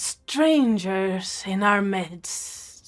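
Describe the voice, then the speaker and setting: A woman's gruff, put-on character voice at a medium pitch, with lively intonation and music in the background. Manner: challenging, suspicious.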